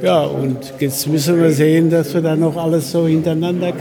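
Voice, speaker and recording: Fairly even intonation at a moderate pace, with audible room echo and noticeable background noise. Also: man. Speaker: retired beekeeper. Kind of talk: interview. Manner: halting.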